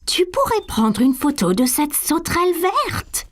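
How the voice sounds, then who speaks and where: A gentle encouraging cartoon mom. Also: female voice, sits high, very animated, unhurried. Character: gentle patient young mother. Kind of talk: dubbed cartoon acting. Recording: cartoon soundtrack with music beneath.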